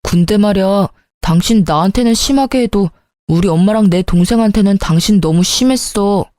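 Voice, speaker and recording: Woman playing clueless husband, pleading, whiny, dark tone, dry sound. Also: mid-range voice, normal speed, dry recording, lightly acted. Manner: pleading, whining. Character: clueless whining husband, young adult man.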